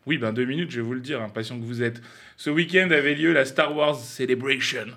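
A man's voice: mid-range voice, brisk, pushed and bright. Playful young man reading a comic column. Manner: playful, mock-pompous, laughs at own jokes. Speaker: radio columnist. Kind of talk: scripted comic radio column.

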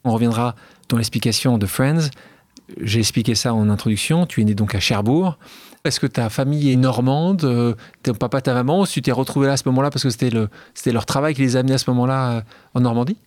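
A man's voice: mid-range voice, fast talker, a little mellow, dry recording. A man hosting an interview, asking long, leading questions in a talkative way. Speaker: radio/podcast host. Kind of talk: interview conversation.

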